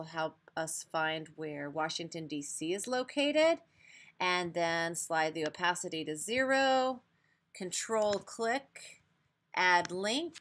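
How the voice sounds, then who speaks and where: An American woman teacher giving a spoken software tutorial for a webinar, explaining step by step. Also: lowish voice, background noise. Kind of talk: spoken software tutorial over screen demonstration.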